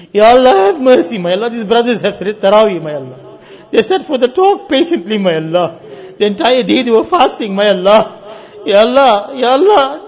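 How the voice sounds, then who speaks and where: A Muslim preacher, a man, leading an emotional, pleading congregational prayer with repeated refrains, moving between hushed appeals and loud cries. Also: very high-pitched. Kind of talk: impassioned supplication with repeated refrains. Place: live religious gathering. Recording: muffled, dull lo-fi live recording.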